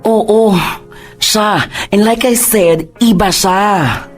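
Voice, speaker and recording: A woman's voice: mid-range voice, drawn-out words. A woman voicing a playful, flirtatious gay man in love in a radio drama. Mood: flustered. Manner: coy, flirtatious. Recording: faint music underneath.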